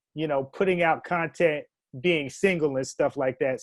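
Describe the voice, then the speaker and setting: This man speaks at a moderate pace. The recording is very clean, with a silent background. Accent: New York. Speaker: music industry interviewer. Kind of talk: interview.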